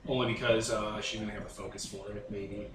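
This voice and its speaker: A man's voice: on the low side, level tone, brisk. A man working as game master, improvising narration and rulings in a casual, conversational way. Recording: roomy, distant, noisy home recording.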